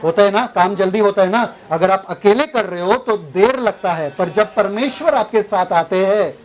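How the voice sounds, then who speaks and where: Man, pastor, lively sermon, fires questions at the congregation. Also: high-pitched, moderate pace, poor audio. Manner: questions the congregation and drives for answers.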